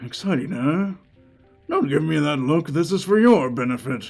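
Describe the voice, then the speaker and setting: Man acting out a raspy, stern instructor. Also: fairly high pitch, animated, normal speed, darkish tone, faint music behind. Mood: stern, impatient. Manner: stern, formal lecturing. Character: stern raspy male instructor, commanding and impatient.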